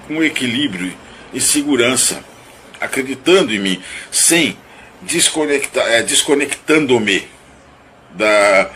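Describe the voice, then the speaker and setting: A man from Rio de Janeiro calmly analyzing a dream he once had, speaking in a halting, searching way with many restarts and hedges. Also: medium pitch, a little hiss or hum. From Brazil (Rio de Janeiro). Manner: thoughtful, hedging, self-analytical. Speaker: narrator recounting and analyzing his own dream. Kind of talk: reflective spoken monologue.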